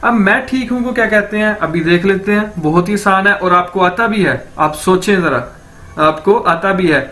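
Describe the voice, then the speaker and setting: A man with a Pakistani Urdu accent gives an online language lesson. His voice sits high and bright. He repeats each word slowly and keeps checking that his viewers are following. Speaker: language teacher.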